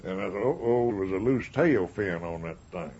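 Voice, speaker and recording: A man's voice: sits low, expressive, moderate pace, darkish tone, husky, lo-fi sound. An American man, a war veteran, telling his own story in a folksy way. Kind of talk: recorded testimony, folksy storytelling.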